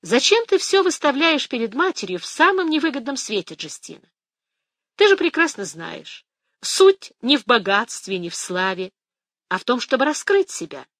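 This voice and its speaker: A woman reading the part of a sharp-tongued elderly grandmother with an ironic, teasing manner. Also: sits high, sing-song, normal speed, no room sound, clean studio sound, voice pushed up, full character voice. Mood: scolding.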